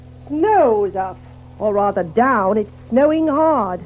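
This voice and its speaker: A woman's voice: mid-range voice, expressive, takes it slowly, a little mellow, a little hiss or hum. A woman playing a brave, kindly, fussing old male water rat in a children's audio drama, with hesitant, old-fashioned British phrasing. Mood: resigned, practical.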